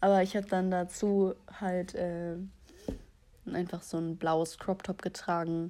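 A woman speaks in a flat monotone. She leaves long pauses, and often. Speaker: solo podcaster. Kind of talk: casual monologue. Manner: chatty with many fillers.

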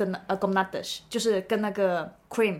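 Recorded very cleanly against a silent background, a woman speaks at a medium pitch with a Cantonese accent. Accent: Cantonese-accented Mandarin. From Macau, born in Guangdong. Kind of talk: casual chat interview.

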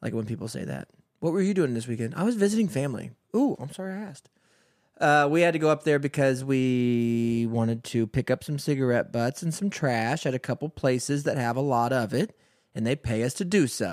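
A man with an unremarkable speaking voice talks at a medium pitch with lively intonation. The recording is very clean, with a silent background and a dry, close sound with no echo. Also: fairly quick pace. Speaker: podcast host and taco restaurant worker. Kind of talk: casual solo rambling monologue. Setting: small studio. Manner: rambling, conversational, jokey.

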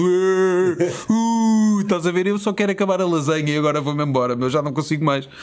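Over noticeable background noise, a man talks at a very fast pace with a European Portuguese accent. His pitch is high, with ordinary variation. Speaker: traveller telling a travel story. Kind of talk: casual storytelling chat. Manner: animated.

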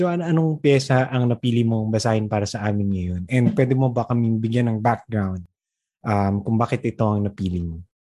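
Against a quiet background, a man talks at a fairly quick pace in a dark, mellow tone at medium pitch, his intonation lively. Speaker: podcast host. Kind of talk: scripted outro; interview.

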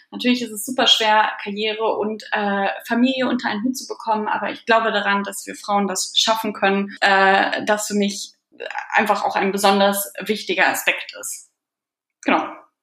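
At a moderate pace, a woman with a fairly high pitch and ordinary pitch variation speaks with big swings in loudness. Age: 20s. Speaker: fashion industry worker and finance influencer. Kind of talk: interview. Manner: frequent hesitations.

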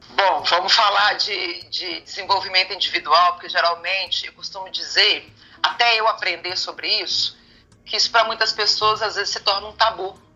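Keeping a moderate pace, a woman uses an ordinary speaking voice with a medium pitch and ordinary pitch variation. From Brazil, Belo Horizonte. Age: 40s. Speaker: life coach and consultant. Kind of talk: radio interview.

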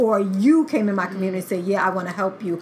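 The speaker has an American accent and ordinary pitch variation. Noticeable background noise is present. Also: woman. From US, New York (Staten Island). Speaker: psychologist. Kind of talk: interview conversation.

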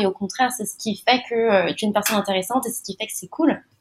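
Quite high in pitch, this woman's voice moves quickly. She talks at a very fast pace. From Madagascar, then raised in France. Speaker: Instagram content creator on ecology and veganism. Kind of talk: interview. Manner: hesitant, many fillers.

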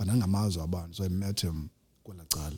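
This man has a very deep, low pitch and a South African accent. The recording is very clean, with a silent background. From South Africa, Eastern Cape (Mdantsane). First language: isiXhosa. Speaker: musician and radio personality. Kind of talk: casual chat. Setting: studio.

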